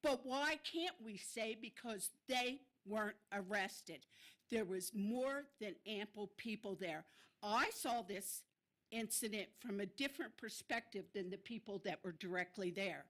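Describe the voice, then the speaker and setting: A woman's voice: medium pitch, unhurried, a bit bright. An older woman giving an emotional, indignant public comment at a city council meeting, insistent and upset.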